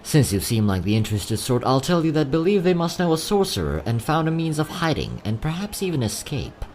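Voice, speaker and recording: A man playing a courteous, quietly sad young travelling merchant in a fantasy audio drama, speaking in polite, theatrical salesman's patter. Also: on the high side, sing-song, brisk, a little hiss or hum. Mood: earnest. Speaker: voice actor.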